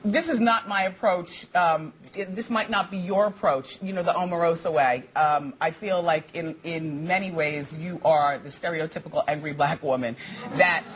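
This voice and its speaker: Woman host, measured and hesitant, TV talk show, muffled lo-fi audio, faint hiss. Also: fairly low pitch. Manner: measured, hesitant, many fillers. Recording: dull lo-fi TV sound with faint hiss.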